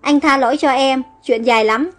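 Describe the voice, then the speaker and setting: A woman's voice: high-pitched, moderate pace, lightly acted. A woman reading as an emotional bewildered young woman. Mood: tearful. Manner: emotional, pleading.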